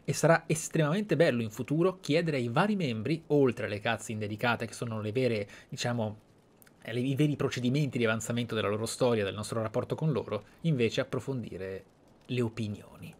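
A man's voice: medium pitch, a little fast. A man hosting a let's play, commenting and reading game text aloud. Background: game music.

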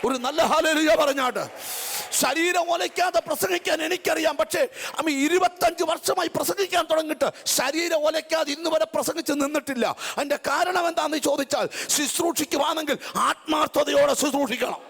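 A middle-aged woman preaching a fiery revival sermon, telling stories dramatically and breaking into shouts between amens and hallelujahs. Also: high voice, moderate pace. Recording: long echo of a large hall.

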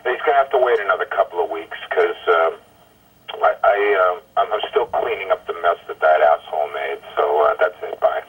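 A man with a lowish, very rough and husky voice leaves an irate voicemail. He sounds exasperated, swears freely and stumbles over repeated words. The sound is narrow and tinny, as over a telephone line. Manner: exasperated, profane, halting with stammered repeats. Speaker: caller leaving voicemail messages. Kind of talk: rambling, irate phone voicemail.

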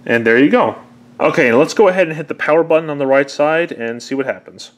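A man's voice: fairly high pitch, fast talker, slight background noise. A man talking casually and unscripted, explaining a product step by step in a conversational way. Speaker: presenter demonstrating an old answering machine.

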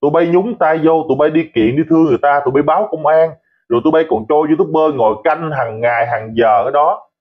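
A man's voice: a little high, quick pace, slightly rough, phone-quality sound. A man giving a heated, mocking commentary monologue, scolding and insulting his critics. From Vietnam. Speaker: online commentator.

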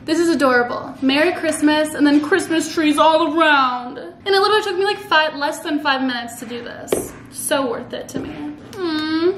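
A woman's voice: sits high, moderate pace, few pauses. A young woman chatting to camera while wrapping gifts at home, bubbly and full of "like" fillers, recorded on a camera across a table. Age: young adult. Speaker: vlogger. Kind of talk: casual chat to camera. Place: living room at home, indoors. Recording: echoey room with background noise.

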